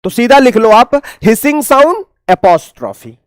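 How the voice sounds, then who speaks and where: A man's voice: extremely high pitch, sing-song, moderate pace, dry recording. A man with an Indian accent teaching an exam-prep English lesson, explaining by asking the class questions and answering them himself.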